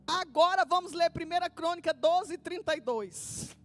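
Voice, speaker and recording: A woman's voice: very high voice, unhurried, a bit bright. A woman pastor preaching a sermon, acting out Bible dialogue and asking the congregation to repeat after her.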